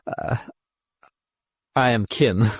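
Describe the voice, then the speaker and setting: A man's voice: mid-range voice, extremely slow, no echo, clean studio sound. A man voicing a humble, flustered young technician in an audiobook, stammering and apologetic as he speaks.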